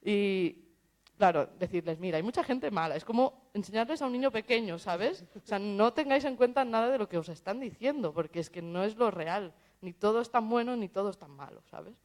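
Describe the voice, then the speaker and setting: A woman's voice: mid-range voice, expressive, a little fast, darkish tone. Woman, social media manager, chatty panel talk, anecdotal, acts out quotes. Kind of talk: casual panel conversation. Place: festival stage talk.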